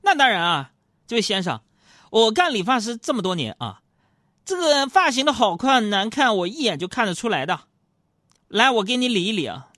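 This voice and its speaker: A man putting on the voice of a pushy barber who keeps making a sales pitch. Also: big pitch swings, moderate pace, pushed and bright, no room sound, studio quality, exaggerated voice. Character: pushy middle-aged male barber, upselling.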